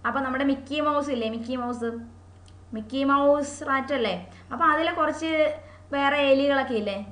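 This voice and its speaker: A woman teacher giving a chatty exam-prep lesson, asking questions and answering them herself and repeating key words slowly. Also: high voice, fairly bright tone, roomy sound. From Kerala.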